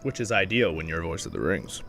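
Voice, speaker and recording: A man's voice: sits low, very animated, fairly quick, vocal fry, music in the background. A man hosting a casual game stream, chatting with viewers while recovering from a cold.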